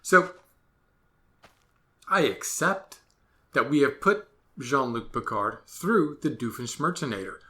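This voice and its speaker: A man's voice: mid-range voice, expressive, normal speed, pushed and bright. A man ranting sarcastically in a solo commentary monologue, exasperated and full of absurd comparisons. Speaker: podcast host.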